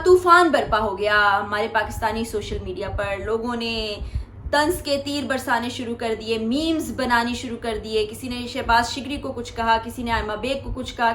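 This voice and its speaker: A woman with a high-pitched voice and a Pakistani accent hosts a celebrity news recap. She explains things to her viewers and often paraphrases statements. The recording sounds echoey, with some faint noise behind her. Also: a bit bright. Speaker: host commenting on celebrity news.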